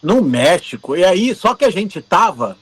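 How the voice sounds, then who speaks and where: A man's voice: high voice, sing-song, measured pace, fairly bright tone, husky. A man in his fifties from Brazil, a former TV camera operator, telling anecdotes in an interview and acting out the dialogue. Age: 50s. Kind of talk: storytelling interview.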